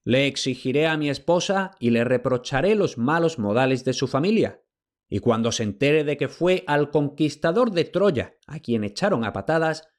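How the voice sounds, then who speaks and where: A man's voice: a little high, voice pushed up, close to an everyday voice. A man doing a blustering, imperious king. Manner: commanding, blustering. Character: proud, imperious Greek king, quick to anger.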